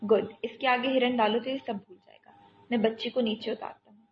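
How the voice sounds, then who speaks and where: A woman reading as a calm army captain. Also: on the high side, dull audio, soft background music, natural voice. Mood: urgent. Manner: steady, coaxing, talks a frightened child through danger. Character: calm, commanding young male army captain.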